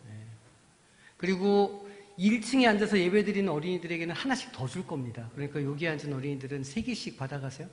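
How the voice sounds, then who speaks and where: A pastor with a Busan Gyeongsang accent tells a children's sermon as an animated storyteller, acting out the voices of the people in the story. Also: male voice, on the high side, fast. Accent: Busan Gyeongsang Korean. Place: large church sanctuary. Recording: reverberant church hall.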